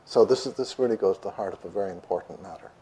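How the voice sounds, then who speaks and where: Soft-voiced man teaching a crowd. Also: low voice, very fast. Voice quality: notoriously soft voice. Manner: gentle, repeats and restarts words. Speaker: meditation teacher. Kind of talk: answering audience questions. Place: lecture room with an audience. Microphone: microphone.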